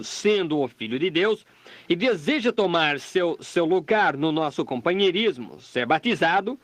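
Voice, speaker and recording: A man reading a dubbed sermon and prayer in a plain, measured preaching delivery with small restarts. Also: fairly high pitch, fairly bright tone, dry recording. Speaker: voice-over dubbing a preacher.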